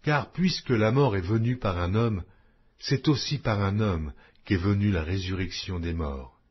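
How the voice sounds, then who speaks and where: A man reading scripture aloud in a slow, measured, expressive way, with a husky voice. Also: fairly low pitch. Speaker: Bible reader. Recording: dull lo-fi audio.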